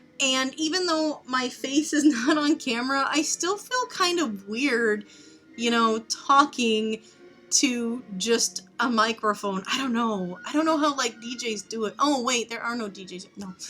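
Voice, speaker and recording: Over music in the background, a woman with a high pitch speaks at a fairly slow pace with lively intonation. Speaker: art channel creator. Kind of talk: casual narration while drawing.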